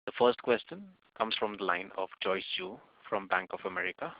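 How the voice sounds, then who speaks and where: Male call operator, scripted and formal, creaky low voice, dull phone sound. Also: big pitch swings, brisk. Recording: dry, dull phone conference line.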